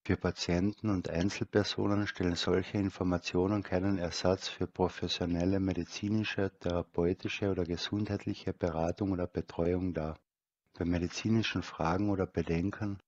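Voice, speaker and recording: A man with a very deep, flat voice reads a legal disclaimer slowly and formally. The sound is dry and slightly dull. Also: no room sound. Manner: slow, formal reading.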